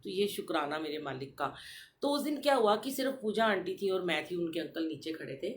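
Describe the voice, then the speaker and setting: A woman's voice: on the low side, brisk, a little hiss or hum. Middle-aged woman telling a devotional story. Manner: animated, addresses listeners as sangat ji. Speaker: satsang podcast host.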